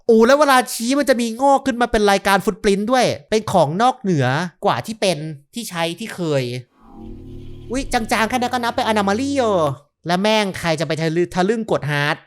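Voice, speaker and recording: A young man talks through a horror game in loose, casual commentary. He is excitable, swears freely and yelps when startled, and his voice swings widely in pitch. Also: moderate pace, faint music behind. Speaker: gaming YouTuber. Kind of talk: casual let's-play commentary.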